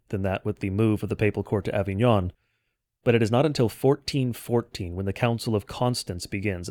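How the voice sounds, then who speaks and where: Low-voiced man giving a measured lecture. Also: a little mellow, no echo. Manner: measured, didactic, formal wording. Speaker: host of a church history podcast. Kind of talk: explanatory lecture, semi-scripted narration.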